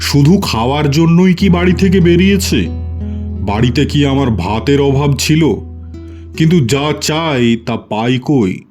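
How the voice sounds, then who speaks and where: A man's voice: on the high side, expressive, a little slow, darkish tone, faint music behind. A man narrating a scripted story in a dramatic storytelling style.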